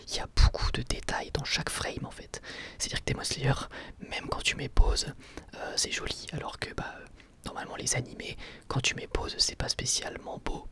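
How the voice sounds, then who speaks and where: A man whispering an informal, hesitant ASMR-style review. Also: mid-range voice. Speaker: ASMR YouTuber reviewing anime.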